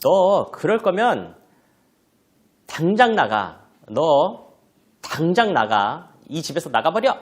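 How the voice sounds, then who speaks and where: A man playing a loud scolding mother. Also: on the high side, sing-song, takes it slowly, pauses often, slightly rough, pitched above the performer's own voice, full character voice. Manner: loud, shouting-style scolding. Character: angry scolding mother, middle-aged woman.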